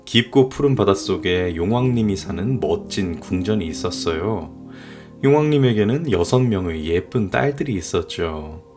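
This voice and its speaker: Low, expressive man telling bedtime tales. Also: normal speed, faint music behind. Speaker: storyteller, father. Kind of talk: scripted bedtime fairy-tale narration.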